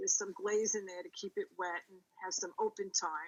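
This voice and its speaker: This woman speaks with a Brooklyn accent. Her medium pitch has ordinary variation. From New York, Brooklyn. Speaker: painter and grief support group leader. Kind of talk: casual interview with painting demo. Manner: hesitant, many fillers.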